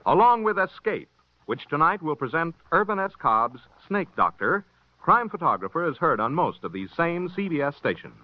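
A man's voice: on the high side, big pitch swings, moderate pace. A man making an upbeat promotional announcement in classic 1950s network radio style. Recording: dull vintage radio broadcast with music.

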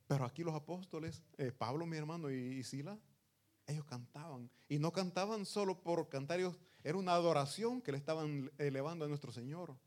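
A man, a pastor, preaching a sermon and calling his listeners brothers, slowing down to stress scripture and swinging between loud rises and soft drops. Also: on the high side. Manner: slows down to stress lines of scripture.

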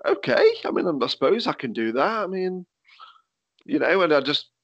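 A man's voice: fairly high pitch, very animated, normal speed, dry recording. A man with a slight lisp hosting a podcast, asking rambling questions full of fillers. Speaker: podcast host. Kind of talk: casual chat. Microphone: remote call. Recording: dull lo-fi call audio.

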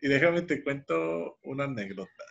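With a mid-range, slightly bright voice and some vocal fry, this young male podcast co-host sounds animated as he rambles through a personal story at a moderate pace. He keeps restarting and dropping in fillers. Audio quality is dull and lo-fi.

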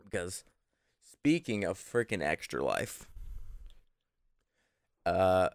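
A man's voice: low-pitched, sing-song, slow pace, creaky, dry recording, studio quality. A man co-hosting a podcast, telling stories in a casual, informal, mildly profane way. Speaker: podcast co-host. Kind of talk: casual podcast chat and storytelling.

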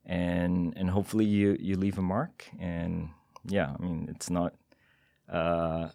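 Low-voiced Singaporean man, measured answers. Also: flat delivery, vocal fry, dark tone, dry recording, studio quality. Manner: measured and modest, with frequent hesitations. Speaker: guest. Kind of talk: interview answers. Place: podcast studio.

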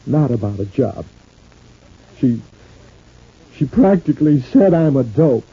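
Aggrieved working-class husband, old radio serial. Very rough voice, plaintive and proud, dull vintage recording. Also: male voice, medium pitch, sing-song, measured pace, exaggerated voice. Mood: hurt.

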